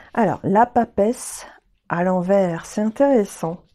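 A very slow, dark, mellow delivery with ordinary pitch variation, in a very clean recording with a silent background. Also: woman. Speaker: tarot reader. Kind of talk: tarot reading video. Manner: hesitant with fillers.

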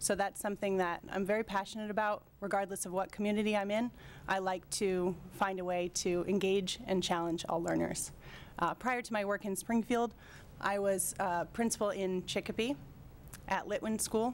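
A woman with an American accent, a medium pitch, a moderate pace, fairly even intonation and very even loudness over light background noise. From western Massachusetts. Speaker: school administrator, superintendent candidate; candidate. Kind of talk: job interview. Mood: friendly, confident. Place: meeting room. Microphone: podium.

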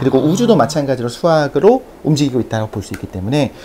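Talking at a very fast pace, a man's voice has very wide pitch swings. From South Korea. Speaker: science communicator. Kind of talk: casual interview. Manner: animated. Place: studio. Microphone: lapel.

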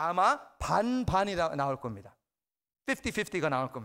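A man speaks in a raised, projected voice with a bright, sharp, animated tone, very wide pitch swings and a moderate pace against a quiet background. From born in Korea, raised in the US. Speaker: pastor. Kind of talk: sermon. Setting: church. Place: church. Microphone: podium.

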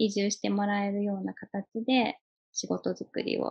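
Her voice is somewhat breathy, with fairly even intonation. A woman is heard against a quiet background. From Gifu city, Japan. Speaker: clothing shop owner; interviewee. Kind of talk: casual interview. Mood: warm, thoughtful. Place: home room. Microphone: video call.

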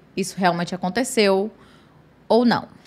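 Here is a woman with a Brazilian accent. Her intonation is lively. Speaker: true crime YouTuber. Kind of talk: true-crime narration; casual storytelling to camera. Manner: indignant, conversational asides. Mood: serious, shocked at times. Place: home room. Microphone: studio mic.

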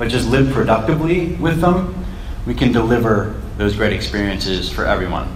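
Audible room echo and light background noise surround a man speaking at a moderate pace. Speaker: conference presenter. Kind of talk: conference talk. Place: hall.

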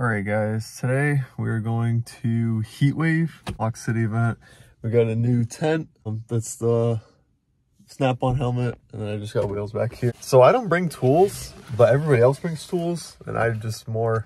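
At a moderate pace, a man talks with ordinary pitch variation in a dry sound with no echo. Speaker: car vlogger. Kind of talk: casual vlog chat. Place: car. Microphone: phone near.

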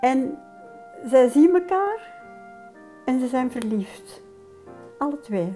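Faint music plays in the background as a woman speaks at a high pitch and a very slow pace. Her pitch swings very widely, and she leaves long, frequent pauses. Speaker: interviewee telling her life story. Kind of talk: interview answer. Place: home room.

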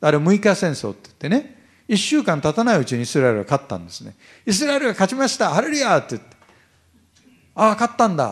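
A man talks at a very fast pace and a high pitch, against a quiet background. His pitch swings very widely, and his loudness shifts a great deal. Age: 60s. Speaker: pastor. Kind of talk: sermon.

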